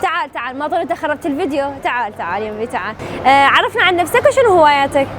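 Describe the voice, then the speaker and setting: A woman with an Iraqi accent hosts a street quiz, chatty, teasing and playful, her high voice fairly bright, sing-song and very fast. Faint music plays behind her amid the street and crowd noise of a busy public place.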